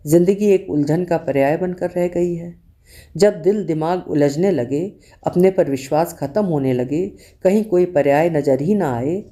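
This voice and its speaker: A woman's voice: fairly low pitch, warm tone. A woman storyteller reading a first-person diary story in a reflective, confessional manner.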